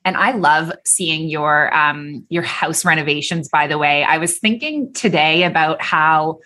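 A woman's voice: sits low, a little slow, bright, forceful tone. A woman from Canada hosting a podcast, upbeat and enthusiastic with her guest. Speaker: podcast host. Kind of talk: podcast interview.

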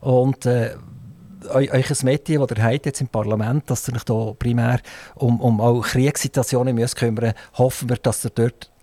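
Swiss German radio host, rambling questions. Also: male voice, medium pitch, fairly even intonation, normal speed, dark tone, no room sound. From Switzerland. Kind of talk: radio interview. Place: radio studio.

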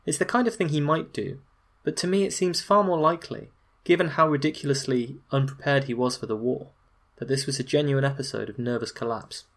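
A man's voice: mid-range voice, fairly quick, vocal fry, few pauses. A man giving a scripted history narration, wry and opinionated, with dry sarcastic asides.

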